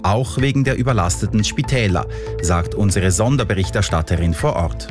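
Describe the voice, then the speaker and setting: Low-voiced Swiss German male news presenter. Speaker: news programme host. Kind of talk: scripted radio news presenting.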